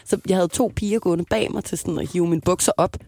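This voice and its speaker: A young woman co-hosting a radio show, telling an embarrassing story in an animated, laughing way. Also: lowish voice, gravelly, dry recording. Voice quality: lively, animated, laughs a lot. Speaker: radio co-host. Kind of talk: casual storytelling chat.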